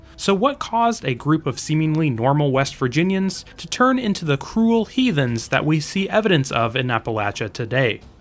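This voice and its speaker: With music in the background, a man talks at a moderate pace, his fairly high pitch swinging very widely. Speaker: We take a look at the raiders as a whole. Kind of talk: lore narration.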